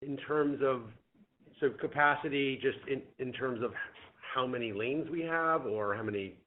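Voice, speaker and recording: A man speaking as a company executive, giving careful, measured answers on an earnings call. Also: mid-range voice. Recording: muffled phone-line conference call.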